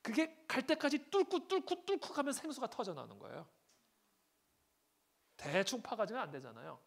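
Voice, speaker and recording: Middle-aged male pastor, gravelly texture, swings between near-whispers and loud proclamations. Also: very high voice, lively intonation, moderate pace. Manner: swings from hushed asides to shouted scripture readings. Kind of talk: sermon.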